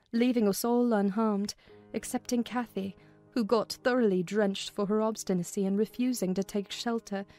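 A woman's voice: mid-range voice, a little mellow, no echo. A woman reading literary narration as a dramatized audiobook. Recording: music behind the voice.

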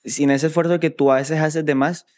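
A man's voice: on the high side, moderate pace. A young man, chatting and teasing casually. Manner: joking, teasing, relaxed banter. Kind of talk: casual chat.

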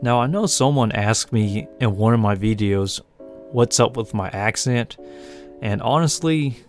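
A young American man with a deep voice and a slight Asian-tinged accent, giving relaxed, rambling, self-deprecating voice-over commentary for his hobby video. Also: a little slow. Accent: American, with an Asian lilt he notes himself. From United States. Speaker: tarantula breeder and channel host. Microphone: voice-over recorded separately from the pictured footage. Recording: voice-over with faint background music. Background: soft music underneath.

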